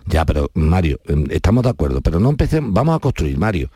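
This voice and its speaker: Fast animated Andalusian radio host. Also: male voice, breathy edge, no room sound, clean studio sound. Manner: insistent, lecturing, fast and animated, drops to low tones when scolding. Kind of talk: live radio call-in chat. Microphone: studio microphone.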